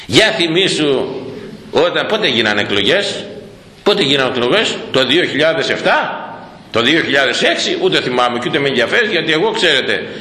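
Male preacher, lively and sharp-edged sermon, long church reverb. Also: mid-range voice. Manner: animated, rhetorical questions, mocking asides. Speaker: Orthodox priest preaching. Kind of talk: sermon on a Proverbs verse.

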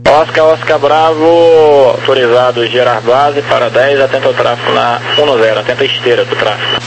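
A man's voice: medium pitch, fairly even intonation, a little fast. A man giving procedural air traffic control instructions over aviation radio. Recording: noisy radio with mains hum.

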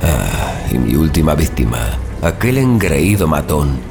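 A man's voice: rumbling low, big pitch swings, measured pace, creaky, over music, heavily acted. A man playing a gleefully sadistic undead killer who narrates his murders with theatrical, sardonic menace in a horror audio drama. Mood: gloating, nostalgic.

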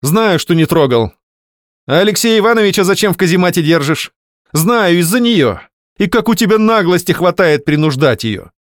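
A man's voice: high-pitched, very animated, moderate pace, no echo, clean studio sound, pitched above the performer's own voice. A man voicing an outraged village wife who shrilly accuses her husband. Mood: accusing. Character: older village wife Arina, kind but furious when wronged.

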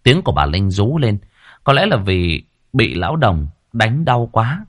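Brief: deep husky male narrator, horror tale, animated delivery, dry. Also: measured pace, no room sound. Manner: dramatic, vivid storytelling. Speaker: storyteller.

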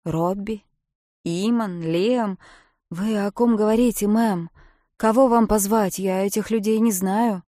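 A woman reading a kindly, flustered male boat-rental owner, talking in loud, excited exclamations. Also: mid-range voice, takes it slowly, no echo, clean studio sound, close to an everyday voice. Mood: bewildered.

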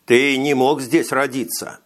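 A man's voice: mid-range voice, level tone, a little slow, natural voice. A man voicing an anxious businessman stranded on an alien world, uneasy and full of questions, in an audiobook. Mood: doubtful.

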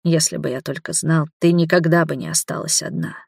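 A woman's voice: low-pitched, fairly even intonation, brisk, creaky, dry recording, clean studio sound. A woman reading as a tender grey-haired man. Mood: pleading. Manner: soft, tender, pleading.

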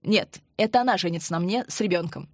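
A woman's voice: on the low side, fast, no echo, lightly acted. A woman voicing a young man who talks in a dry, teasing way. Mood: wry. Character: young man, wry and joking.

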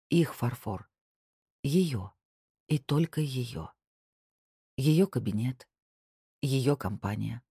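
An audiobook narrator reading a novel in an even, unhurried storytelling manner. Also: medium pitch, slightly rough, no room sound, clean studio sound. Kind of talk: scripted narration.

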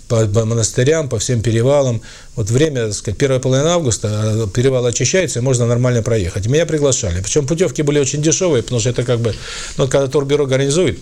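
Speaking in a medium-pitched voice with a dark tone, this man delivers a spiritual talk to an audience, a lecture with audience questions. As a spiritual lecturer and author, he is hesitant, often using fillers and restarting his sentences.

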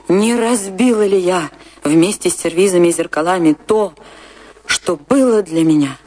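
An actress playing an anguished woman recalling her tragic love in a theatrical radio drama, with weighty pauses. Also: fairly low pitch, darkish tone, close to an everyday voice. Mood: remorseful, anguished. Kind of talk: dramatic first-person narration in a radio play.

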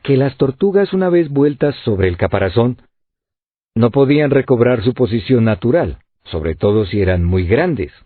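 Man playing an earnest young hunter, polite, husky, phone-like lo-fi audio. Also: mid-range voice, expressive, normal speed, dry recording, close to an everyday voice.

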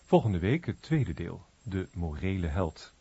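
A male radio announcer with a very low, soft-edged dark voice reads scripted credits. His tone is distinctly husky, and the recording is somewhat dull. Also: very animated, a little slow, dry recording.

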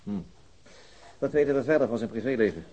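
Guy acting a radio drama cop asking questions, really husky, talks quick, bit hesitant. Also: medium pitch, dark tone, lo-fi sound, natural voice. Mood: probing. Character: brisk, probing male police detective questioning witnesses. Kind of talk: Dutch radio drama dialogue.

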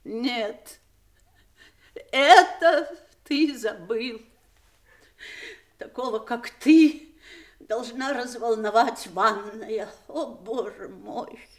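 In an audio stage drama, an actress with a fairly high voice plays an imperious, bitter widowed mother who scorns her grown children. Her delivery is theatrical and cutting.

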